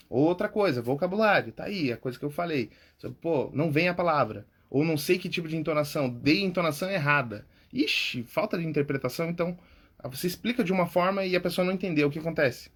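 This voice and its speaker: This man's voice is fairly high, a bit bright and slightly rough, with a Brazilian Portuguese accent. He's a public speaking coach and podcast host from Brazil, offering tips in a relaxed, informal style and often dropping in "tá?" and "cara."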